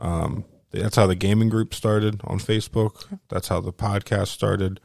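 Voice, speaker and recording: A man with a low, gravelly voice talks casually on a podcast. He is laid-back and jokes crudely with his friends. The sound is close and dry. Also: steady tone, unhurried, a little mellow, no echo. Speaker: podcast host.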